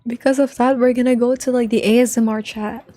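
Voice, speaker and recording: A woman livestreamer with a soft, quiet voice, chatting informally and playfully with viewers and swearing now and then. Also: steady tone, fairly quick, dry recording. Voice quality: soft, low-volume voice, unlike their usual loud one. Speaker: live streamer. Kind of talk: casual livestream chat with viewers. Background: faint music.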